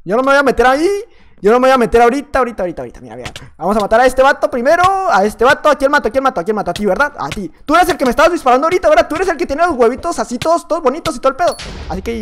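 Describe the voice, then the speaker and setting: A young man with a Mexican accent gives playful, chatty gameplay commentary, repeating his phrases as he plays. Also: very high voice. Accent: Mexican Spanish. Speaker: gaming YouTuber.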